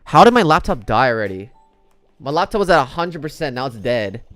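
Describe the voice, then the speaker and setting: A man's voice: mid-range voice, big pitch swings, a little fast, fairly bright tone, dry recording. A man livestreaming a video game in casual, slangy, chummy chat with his viewers. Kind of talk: casual gameplay stream chat. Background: game music.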